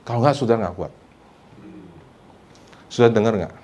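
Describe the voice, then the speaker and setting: A man preaching a church sermon, mixing English phrases into his talk and swinging between loud, high emphasis and low, quiet asides. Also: moderate pace. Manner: mixes English phrases into preaching, repeats "saudara" and "amin". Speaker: pastor.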